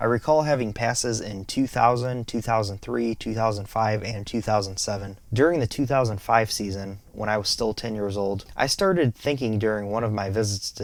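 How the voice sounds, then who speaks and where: Speaking at a fairly quick pace with hardly any pauses, a man with an American accent keeps a fairly low pitch and fairly even intonation. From US Midwest, northeast Ohio. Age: 20s. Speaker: YouTuber, roller coaster enthusiast. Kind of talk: scripted narration.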